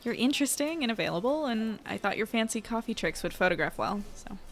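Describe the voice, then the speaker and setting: An actress playing an earnest, slightly uncertain newspaper reporter, talking in a natural, conversational way. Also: female voice, on the high side, lively intonation, fast talker, faint music behind. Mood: hesitant, troubled. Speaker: young reporter. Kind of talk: naturalistic audio drama acting.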